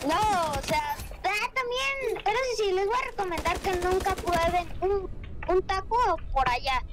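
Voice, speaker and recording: A woman from Mexico with a Mexican accent, chatting casually with friends over a game, often filling pauses with "este". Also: very high voice, animated. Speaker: gaming guest. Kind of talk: casual chat while gaming. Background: game music.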